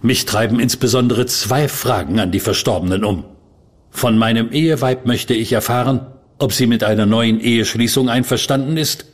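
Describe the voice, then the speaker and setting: An actor playing an impatient widowed gentleman at a séance, formal and irritable, breaking into stammers. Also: mid-range voice, normal speed, lightly acted. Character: uneasy, impatient widowed gentleman client, growing frightened. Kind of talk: radio play acting.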